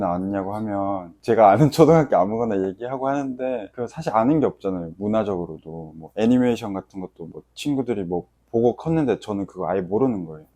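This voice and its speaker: His voice is fairly low, with a dark, mellow tone. The man keeps a fairly quick pace and lively intonation. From North Korea, North Hamgyong province. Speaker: North Korean defector, university student. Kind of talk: interview testimony. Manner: casual conversational.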